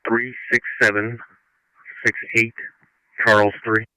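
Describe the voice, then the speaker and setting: A man's voice: medium pitch, level tone, takes it slowly, pushed and bright, no echo. A police officer, a man, calling in over a walkie-talkie radio in clipped, matter-of-fact code talk. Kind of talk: terse radio traffic in call codes. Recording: tinny narrow-band radio, dry.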